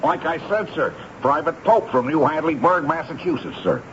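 An accused private in a radio drama. He is defensive and earnest in a high register. The recording is dull and faintly noisy. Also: big pitch swings, moderate pace, a bit bright. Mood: defensive protest. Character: accused army private protesting his innocence. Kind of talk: 1970s radio drama acting.

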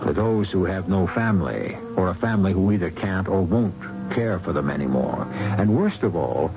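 A man hosting a radio mystery drama with theatrical, ominous, deliberate narration. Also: deep voice, animated, over music. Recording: dull old radio broadcast.

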